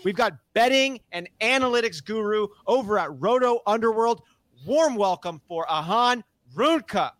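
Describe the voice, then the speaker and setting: A man with a notably high voice hosts a podcast, full of energy and racing through lists. The sound is close and dry, with no room echo at all. He keeps an eager, upbeat casual-chat manner. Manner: energetic, rattles off lists quickly. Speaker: podcast host.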